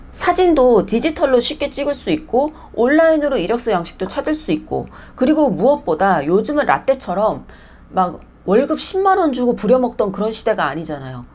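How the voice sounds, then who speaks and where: A woman's voice: on the high side, a little mellow. A woman who owns a nail salon, ranting bluntly and with exasperation in a casual vlog monologue, mixing polite and plain speech.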